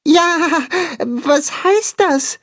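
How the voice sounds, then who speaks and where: A woman voicing Tacho, an eager little young calf, in a storybook reading with a very high squeaky voice. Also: lively intonation, extremely slow, exaggerated voice.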